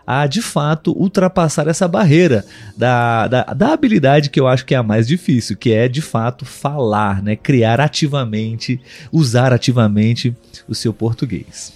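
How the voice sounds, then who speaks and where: A man hosting a live podcast for Portuguese learners, speaking slowly and rephrasing his points so listeners can follow. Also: medium pitch, animated, a little mellow. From Brazil. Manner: slow, deliberate, repeats and rephrases for learners. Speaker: podcast host.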